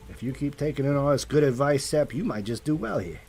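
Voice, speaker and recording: A man's voice: mid-range voice, a little fast, a little mellow, breathy edge, faint music behind. A man playing a wisecracking noir detective. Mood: wry. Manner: dry, wisecracking, confident. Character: wisecracking male noir detective, street-smart. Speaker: private investigator. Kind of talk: audio drama acting.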